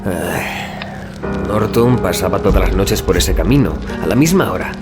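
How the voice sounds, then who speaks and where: An actor playing a chatty, wry young student in an audio drama, conversational and gossipy. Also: male voice, deep voice, expressive, moderate pace. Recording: dialogue over clear background music.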